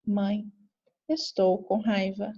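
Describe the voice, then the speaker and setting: A woman's voice: medium pitch, level tone, takes it slowly, mellow, dull audio. A woman reading an angry, firm mother.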